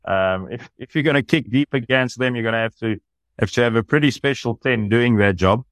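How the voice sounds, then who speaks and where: A man's voice: medium pitch, a little fast, a bit bright, no room sound. A man, a rugby commentator talking enthusiastically and analytically in a podcast discussion.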